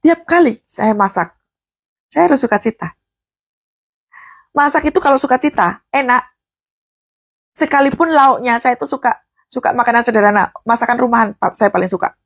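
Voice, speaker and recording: Gravelly-voiced woman preaching a sermon. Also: on the high side, brisk, fairly bright tone, dry recording. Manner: conversational, folksy, shifts between teaching and fervent prayer. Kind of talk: sermon with prayer.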